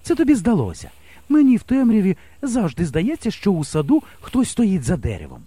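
A man voicing a brave, resolute young woman, a village teacher who speaks in a bright, brisk and reassuring way in an audiobook. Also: high-pitched, wildly swooping pitch, slightly rough, no echo, pitched above the performer's own voice, full character voice. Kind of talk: audiobook character voice.

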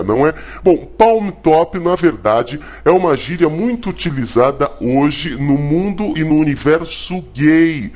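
Halting Brazilian man, mock-scholarly radio host. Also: mid-range voice, a little mellow. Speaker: host playing a mock English teacher. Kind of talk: comedy radio call-in lesson.

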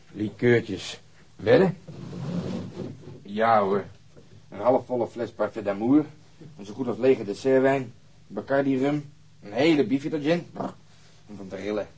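An actor in a radio drama playing a cool, fastidious detective, clipped, disdainful and matter-of-fact. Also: male voice, medium pitch, a little mellow, husky. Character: cool, fastidious detective picking locks, Gunvald. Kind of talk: naturalistic radio drama acting.

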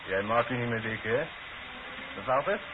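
A man's voice: mid-range voice, normal speed, natural voice. Casting: man as brash, cocky young workman who needles his elders, vintage radio play, muffled and noisy. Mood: teasing. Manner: brash, mocking, jovial. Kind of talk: 1960s Dutch radio drama acting.

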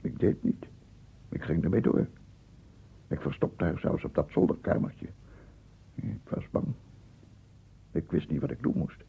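An actor playing a weary, guilt-ridden writer who mutters to himself in halting, broken phrases in a radio drama. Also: male voice, extremely low pitch, lively intonation, exaggerated voice. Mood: anxious, guilty. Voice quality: husky, gravelly. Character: brooding, weary male writer tormented by guilt. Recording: muffled, phone-like archive radio recording.

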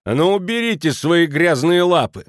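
A man's voice: a little high, big pitch swings, normal speed, no echo, studio quality, pitched above the performer's own voice. Man voicing a fed-up wife, raised snapping voice. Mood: indignant. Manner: snapping, scolding. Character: indignant woman, sharp-tongued, fed up.

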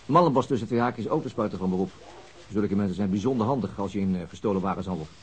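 An actor playing a brisk, matter-of-fact police detective who explains cases to colleagues in a radio drama. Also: male voice, fairly low pitch, lightly acted, low-quality recording. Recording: faint hiss.

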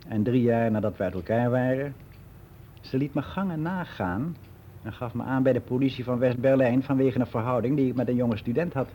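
A man's voice: mid-range voice, a little fast, lo-fi sound, slight background noise, natural voice. An actor playing an older German gay man who recounts his life in a candid, matter-of-fact, rambling way in a radio play monologue. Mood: candid, indignant.

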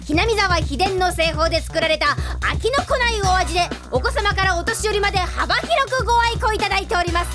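A woman's voice: extremely high pitch, brisk, few pauses, loud music behind the voice. A woman voicing a bold, bossy girl who leads a club and barks out game rules, in an anime drama CD. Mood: salesy. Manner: commanding announcements.

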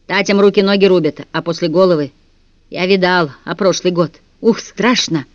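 A man's voice: sits high, normal speed, no echo, lightly acted. A man reading a timid tenor guard. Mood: nervous. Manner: stubborn, nervous tenor. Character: timid thin-voiced male guard, 17th century. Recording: dull, dry studio recording.

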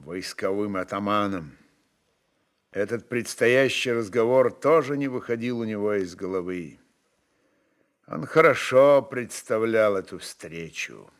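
A man's voice: lowish voice, unhurried, a bit bright, clean tone. A man narrating a literary story for radio in a dramatic reading style.

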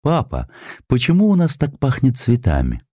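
Romantic young lady performed by a male narrator, gentle and enthusiastic, pitch lifted and lilting, for historical audiobook drama. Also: wildly swooping pitch, moderate pace, no room sound, studio quality. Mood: sweet, rapturous.

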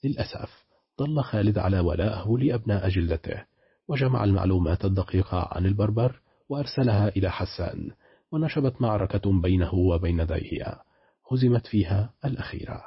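A man narrating an audiobook in a steady, measured reading. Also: lowish voice, breathy edge, no room sound, highs cut off.

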